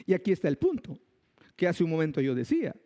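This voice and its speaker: A male preacher giving a sermon, emphatic and slow, repeating his phrases for weight. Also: on the high side, wildly swooping pitch, mellow, long reverb tail. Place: church hall.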